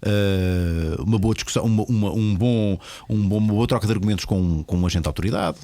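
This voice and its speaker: Lisbon-accented male host, low voice, quick, animated, teasing and rambling. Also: dry recording. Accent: Lisbon Portuguese. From Portugal. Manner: teasing, rambling, uses filler "pá". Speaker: podcast host. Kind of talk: casual interview chat.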